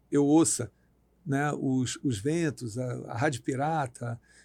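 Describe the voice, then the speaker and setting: This man has a fairly high pitch and a dark, mellow tone. He talks at a very slow pace. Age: 60s. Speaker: bishop. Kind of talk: interview storytelling.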